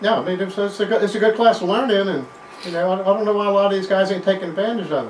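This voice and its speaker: A man's high-pitched, very fast speech in an American accent, with audible room echo and noticeable background noise. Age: 60s. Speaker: racing guest. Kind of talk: casual chat.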